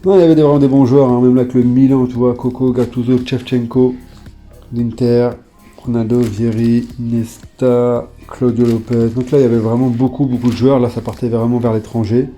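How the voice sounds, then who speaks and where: A man's voice: mid-range voice, little pitch movement, normal speed, dark tone, soft background music. A man chatting casually in a vlog, reading off long lists of names with plenty of fillers. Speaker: YouTuber showing his old football card collection.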